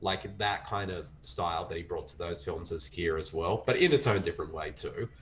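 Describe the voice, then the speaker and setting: Deep-voiced Australian man reviewing films. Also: normal speed, fairly bright tone, slight background noise. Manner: rambling, enthusiastic, many fillers. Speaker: film reviewer. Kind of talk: casual film review chat.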